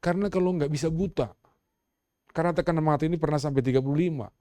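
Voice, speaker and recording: Middle-aged pastor, quiet to rousing. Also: male voice, on the high side, fast, dry recording, studio quality. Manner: swings from quiet storytelling to loud rousing exhortation; calls on the congregation for responses. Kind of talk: sermon.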